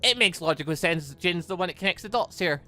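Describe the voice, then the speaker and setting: A man plays host on a gaming channel, reading a visual novel and commenting as he goes. His voice sits slightly high and swings widely in pitch, with a bright, forceful edge. He stumbles and corrects himself as he reads. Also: lively intonation, quick pace, soft background music. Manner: stumbles over lines, self-correcting, exclaiming. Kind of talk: live read-through of a visual novel with commentary.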